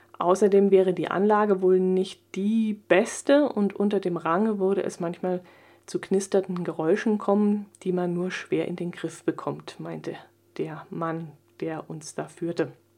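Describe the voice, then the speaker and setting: Speaking at a fairly slow pace, a woman has a dark, mellow tone and fairly even intonation. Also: medium pitch for a woman. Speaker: podcaster. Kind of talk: casual monologue, personal storytelling. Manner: hesitant, many filler sounds.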